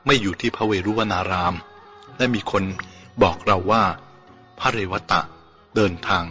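A man's voice: on the low side, bright, forceful tone, in a large hall. A man voicing an anxious, protective elderly Brahmin uncle in an audiobook reading. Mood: firm. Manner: slow, shaky, then firm and earnest. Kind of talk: audiobook character voice. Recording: dull lo-fi with faint music.

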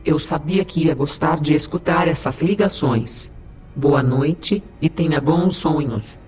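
A man voicing a calm, teasing female ship computer with a dry, composed manner. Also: a little high, measured pace, roomy sound, soft background music, lightly acted.

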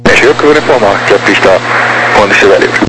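A man's voice: on the low side, fast talker, over loud music. A Brazilian man speaking procedurally over aviation radio as an air traffic controller. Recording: noisy aviation radio with hum.

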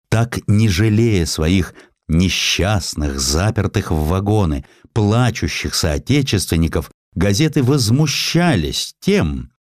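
A man narrating a historical story as an audiobook, in a measured, expressive, solemn and dramatic manner. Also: low-pitched, no echo, clean studio sound. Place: dry studio.

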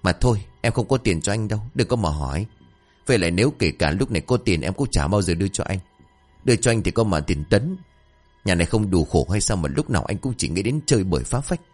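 A man voicing a gentle young village woman who scolds her wayward older brother in an exasperated, quick manner. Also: deep voice, animated, faint music behind. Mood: exasperated scolding.

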